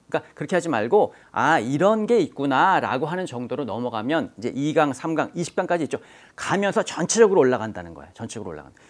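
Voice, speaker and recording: A man's voice: a little high, darkish tone. A man teaching an exam-prep language lecture, explaining step by step and posing rhetorical questions to students.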